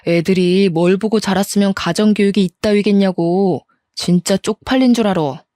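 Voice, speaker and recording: A woman voicing an angry adult husband's scolding tirade in a dry, mellow voice while reading a story aloud. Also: mid-range voice, normal speed, no echo, lightly acted.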